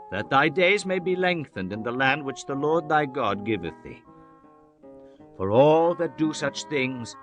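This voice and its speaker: A man with a medium-pitched voice reads scripture as a dramatized audiobook. His delivery is solemn and measured, with a declamatory weight to each phrase. Soft music plays behind him. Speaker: audiobook narrator. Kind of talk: dramatized scripture reading, archaic English. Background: background music.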